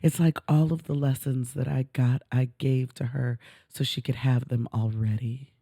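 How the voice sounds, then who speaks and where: A woman's voice: very deep voice, steady tone, moderate pace, mellow, no echo, clean studio sound. A middle-aged woman co-hosting a talk show, chatting casually in an emphatic, effusive way and drawing out words for stress. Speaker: podcast co-host. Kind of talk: casual chat.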